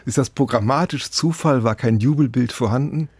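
A man's voice: medium pitch, normal speed, darkish tone, breathy edge, dry recording. A man hosting a radio interview, asking probing, articulate questions.

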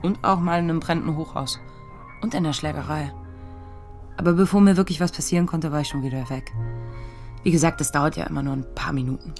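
A wry, worn woman in her thirties for a radio drama. Her voice sits fairly low. She talks casually and hesitantly, understating everything with dry frankness. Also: quick pace, long pauses, darkish tone, faint music behind. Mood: matter-of-fact. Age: 30s. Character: frazzled, wry woman of 32 thrown between strange situations. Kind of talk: naturalistic German radio drama acting.

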